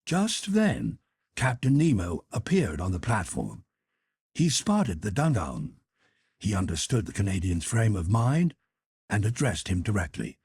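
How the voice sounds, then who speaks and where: A male audiobook narrator reading a classic novel. His voice is lowish and very husky, with a slow pace and expressive delivery. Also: no echo, clean studio sound.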